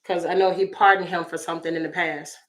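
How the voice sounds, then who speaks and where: Slightly raspy woman chatting through tarot. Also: fairly low pitch, little pitch movement, quick pace, fairly bright tone, poor audio. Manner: chatty, exclaiming, talks to viewers. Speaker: tarot reader. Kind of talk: casual tarot reading to viewers.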